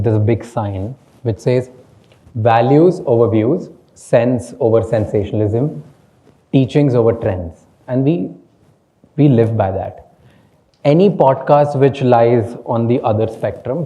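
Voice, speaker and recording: A man's voice: mid-range voice, dark tone, muffled recording. A man with an Indian accent whose first language is Hindi, a podcast host speaking candidly on a panel, slipping between English and Hindi and laughing often. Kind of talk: panel talk.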